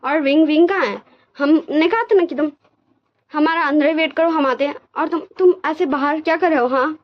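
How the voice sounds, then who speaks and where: A woman's voice: high voice, moderate pace, pitched above the performer's own voice, close to an everyday voice. A woman voicing a stern, middle-aged mother who scolds her son, in a dull lo-fi recording. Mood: worried.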